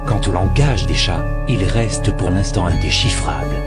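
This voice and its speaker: A man's voice: deep voice, animated, normal speed. A computer-generated robot voice of a man, reading a serious, ominous scripted voice-over straight to the viewer. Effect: synthetic text-to-speech robot voice. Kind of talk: scripted conspiracy-video voice-over. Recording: loud scary film music behind. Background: loud horror music.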